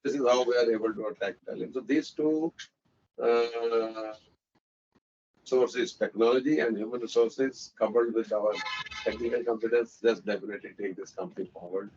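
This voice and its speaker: A man with an Indian accent speaking as a company executive on a conference call, explaining business in a halting, emphatic way with repeated words. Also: mid-range voice, steady tone, a little mellow, slight background noise. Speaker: company executive answering analysts on an earnings call. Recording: dull, band-limited conference call audio.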